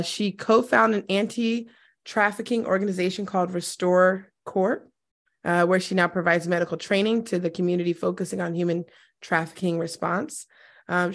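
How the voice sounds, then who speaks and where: A woman hosting a casual podcast interview, hoarse and scratchy after losing her voice, laughing often and poking fun at herself. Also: medium pitch. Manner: laughs often, self-deprecating. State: hoarse, lost voice. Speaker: podcast host.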